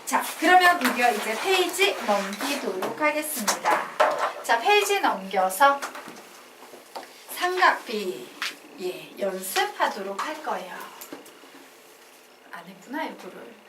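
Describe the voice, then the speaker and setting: Lively, high-voiced woman teaching math. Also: slow pace, pauses often, heavy background noise. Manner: lively, drills students with call-and-response questions. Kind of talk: classroom lecture. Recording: echoey classroom, mic at a distance.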